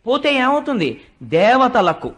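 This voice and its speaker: A man with a notably high voice delivers a devotional discourse. He tells the story in a storytelling way, slips into the lines of the figures he quotes, and slows down to recite verses. He sounds middle-aged. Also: very animated, a bit bright. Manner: storytelling, acts out dialogue, recites verses slowly. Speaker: religious discourse speaker. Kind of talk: Telugu devotional discourse on scripture.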